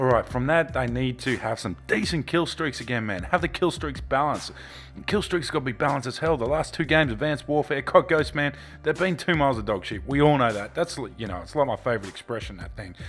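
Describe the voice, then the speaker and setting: In an Australian accent, a man speaks at a very fast pace with vocal fry, an animated tone and lively intonation. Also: medium pitch for a man. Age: 30s. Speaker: gaming commentator. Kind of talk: casual commentary.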